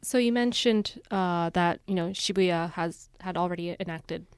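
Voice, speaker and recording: A woman's voice: on the low side, normal speed, smooth, no echo, clean studio sound. A woman hosting a bilingual news discussion podcast as a reporter, introducing topics and putting questions.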